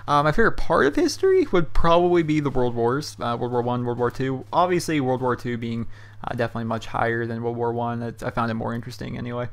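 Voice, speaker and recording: A man's voice: mid-range voice, fast talker. A young man hosting a casual question-and-answer show from his bedroom, talking loosely with lots of um and you know. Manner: loose and chatty, heavy on fillers like um and you know. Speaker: YouTube host answering viewer questions. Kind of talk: casual rambling commentary. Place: his hot bedroom at home.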